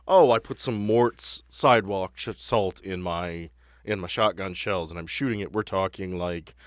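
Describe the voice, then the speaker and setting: Man, low voice, dry sound, tabletop game master, descriptive, explanatory, conversational narration. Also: normal speed, dry recording.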